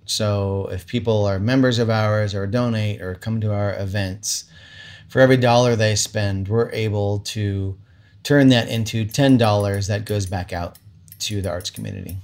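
A man's voice: fairly low pitch, steady tone, moderate pace, darkish tone. A man who works as an arts lobbyist, explaining things in a casual way. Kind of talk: interview soundbite.

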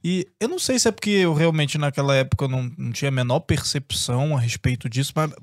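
A Brazilian man chatting casually and telling stories with animation and easy laughter, with a husky voice. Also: medium pitch, fast. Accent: Brazilian Portuguese. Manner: animated, storytelling, laughs easily. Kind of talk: casual chat.

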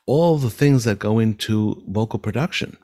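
A man's voice: lowish voice, moderate pace, warm tone, dry recording, clean studio sound. An older man with a nasal voice, a musical director who tells stories with enthusiasm and reflection in an interview. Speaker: musical director and speech therapist. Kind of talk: interview answers.

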